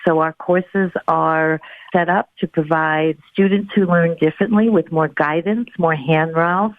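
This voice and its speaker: Lower-voiced woman on a phone-like line. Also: steady tone, a little slow, no echo. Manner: polished, formal promotional phrasing. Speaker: college program representative. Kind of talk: informational interview answers.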